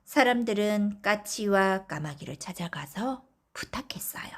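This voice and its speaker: A woman narrating folk tales for bedtime in a soft, often whispery, gentle voice. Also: medium pitch, lively intonation, measured pace. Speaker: audiobook narrator.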